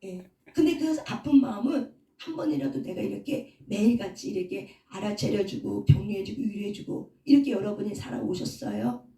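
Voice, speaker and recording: A woman's voice: medium pitch, fairly quick, mellow, far from the mic. A woman pastor giving a sermon, asking the audience questions and answering them herself. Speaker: pastor and counselor. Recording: echoey hall, voice from off mic.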